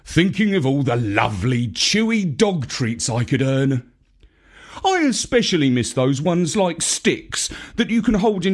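A man reading a children's story aloud as narrator, in an expressive storytelling manner. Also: mid-range voice, breathy edge. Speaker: audiobook reader. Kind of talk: scripted first-person children's story narration.

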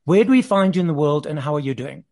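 A man's voice: a little high, lively intonation, fast talker, vocal fry, darkish tone. A man hosting an entertainment interview show, reading a scripted intro and asking questions in an upbeat presenter manner. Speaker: interview host.

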